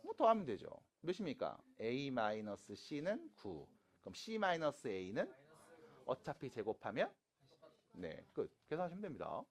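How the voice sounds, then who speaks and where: 활기차게 설명하는 남자 수학 강사. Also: male voice, mid-range voice, wildly swooping pitch, a little slow. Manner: casual, teasing, mixes polite and plain speech with students. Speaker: math teacher at a cram school. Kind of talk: classroom lecture. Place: classroom.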